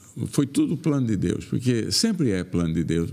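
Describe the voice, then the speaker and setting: A man talks at a moderate pace in a dark, mellow tone. The recording is very clean, with a silent background. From Brazil. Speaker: missionary and theologian. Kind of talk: casual chat.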